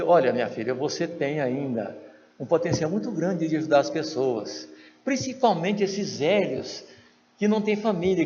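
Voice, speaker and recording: Man, Brazilian accent, storytelling lecture, acts out dialogue, long hall reverb, faint background noise. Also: muffled recording. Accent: Brazilian Portuguese. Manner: acts out quoted dialogue with lively shifts in pitch. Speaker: spiritist lecturer.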